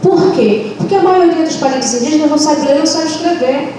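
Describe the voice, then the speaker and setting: A woman's voice: sits high, mellow. Earnest woman in an echoey hall. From Brazilian Amazon, Baré people. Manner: earnest, halting, fillers, speeds up when stirred. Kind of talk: impassioned panel talk. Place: lecture room. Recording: echoey hall from far off, noisy.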